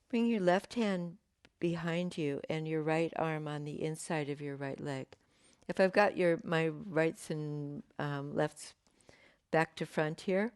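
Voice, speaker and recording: A woman teaching a yoga class, giving gentle, unhurried cues with pauses and fillers, her voice slightly croaky. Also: lowish voice, dry recording, clean studio sound. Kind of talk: guided yoga class instruction.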